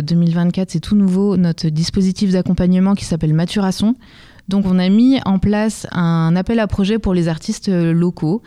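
A woman's voice: lowish voice, mellow, clear, resonant tone. A woman answering as an interview guest for a music venue, explaining things in a conversational, welcoming way.

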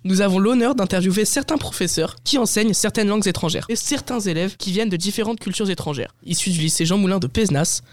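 A man's voice: high voice, quick pace, few pauses, dry recording. A teenage boy hosting a school radio show, reading a formal introduction aloud. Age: teens. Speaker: host.

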